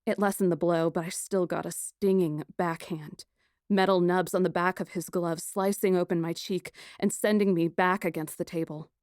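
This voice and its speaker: A woman narrating a first-person fantasy audiobook in an expressive, dramatic and deliberate storytelling style. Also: lowish voice, no room sound, clean studio sound.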